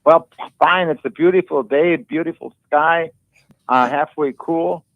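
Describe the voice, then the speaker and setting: Guy calling in to a radio show on the phone, cheery, jokey, a bit high voiced. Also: a little slow, phone-quality sound. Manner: cheerful and joking. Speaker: guest author. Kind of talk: casual radio interview.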